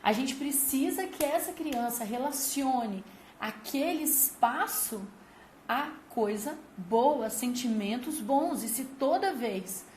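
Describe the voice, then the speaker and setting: A woman's voice: high voice, lively intonation, slow pace, a little mellow, a little hiss or hum. A woman hosting a parenting channel, talking to parents emphatically and explaining through vivid comparisons. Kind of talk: advice talk to parents. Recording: roomy echo with faint ambience.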